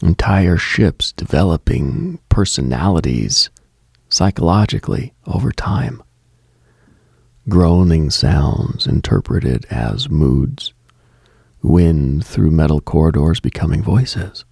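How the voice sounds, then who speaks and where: A man hosting a late night radio monologue in a hushed, brooding, contemplative manner, speaking deliberately with long pauses into a close microphone. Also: extremely low pitch, lively intonation, no room sound. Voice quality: husky, gravelly.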